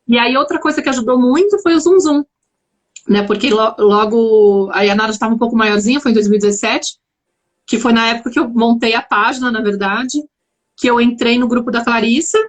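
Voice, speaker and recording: A woman's voice: a little high, brisk. A woman from Brazil with a São Paulo accent, chatting reflectively in a casual live-stream conversation. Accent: Brazilian Portuguese, São Paulo. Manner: reflective, chatty, many restarts. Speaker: guest.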